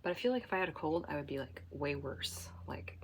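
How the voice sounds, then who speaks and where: A congested woman hosts her knitting video podcast from home. Her voice sits a little low, and she rambles comfortably, with fillers and trailing asides. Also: animated, fast talker, husky. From Michigan, USA. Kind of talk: casual chat to camera.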